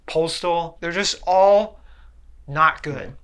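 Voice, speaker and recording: A man's voice: on the high side, slow pace, a bit bright, clear, resonant tone. A man co-hosting a film discussion show, giving casual, wry and matter-of-fact pop-culture commentary.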